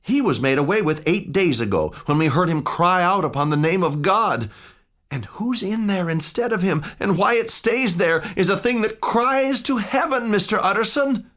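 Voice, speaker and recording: A man's voice: sits high, animated, moderate pace, fairly bright tone, voice pushed up. A man voicing an anxious older butler who pleads urgently and fearfully.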